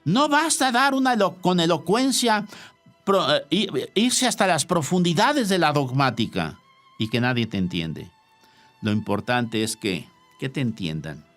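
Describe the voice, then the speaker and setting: A man preaching a sermon, telling a story in an expressive, emphatic way. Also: on the high side, unhurried, faint music behind.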